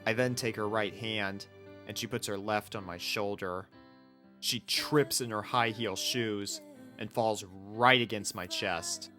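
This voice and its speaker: A man's voice: fairly low pitch, sharp tone. A man reading a first-person story as scripted narration, in an earnest, sentimental manner. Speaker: fan fiction reader.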